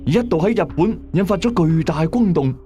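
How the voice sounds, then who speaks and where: A man's voice: high voice, expressive, moderate pace, mellow, soft background music. A man with a Hong Kong Cantonese accent hosting and telling a mystery story in scripted narration. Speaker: host and storyteller.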